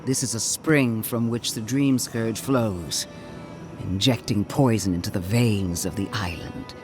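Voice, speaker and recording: A man playing a stern, righteous, zealous commander with a deliberate, declamatory manner in a fantasy game. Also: lowish voice, natural voice. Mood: zealous, hushed intensity. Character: stern, zealous male commander, crusading against corruption. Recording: game audio with music behind.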